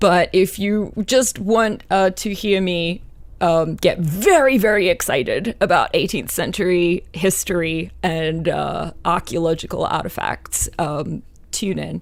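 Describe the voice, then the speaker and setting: A woman talks at a fairly slow pace with vocal fry. Her pitch varies in an ordinary way. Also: medium pitch for a woman. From Australia. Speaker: history podcaster, guest. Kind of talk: casual podcast chat.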